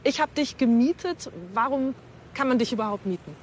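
A woman with a slightly high voice speaks casually and directly to the audience, asking questions as a reporter. Faint city noise sits behind her outdoors. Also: fairly quick, a little mellow. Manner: chatty, informal, addresses viewers. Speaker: reporter and host. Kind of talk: youth educational reporting.

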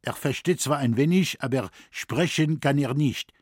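A man voicing a polite prisoner of war speaking halting German. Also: mid-range voice, darkish tone, slightly rough, no echo, clean studio sound, pitched above the performer's own voice, close to an everyday voice.

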